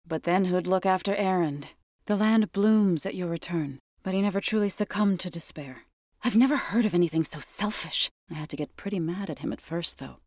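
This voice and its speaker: A woman's voice: fairly low pitch, darkish tone, no echo. Zo, earnest tribal warrior woman, dry sound. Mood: calm, friendly. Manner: measured, formal, earnest phrasing. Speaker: video game voice actor. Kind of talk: game character voice lines.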